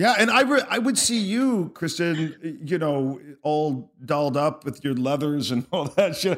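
A man with an American accent and a normal speaking voice, fairly high in pitch, fairly slow, with lively intonation and hardly any pauses. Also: very clean recording, silent background. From Detroit, US Midwest. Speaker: actor. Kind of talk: casual interview.

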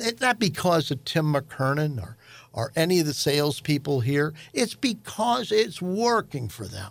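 On a very clean recording with a silent background, a man with an American accent talks at a fairly slow pace, his fairly high pitch making very wide swings. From St. Louis, Missouri. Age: 70s. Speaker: retired radio sales executive, father of host. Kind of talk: casual interview, life story. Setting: studio.

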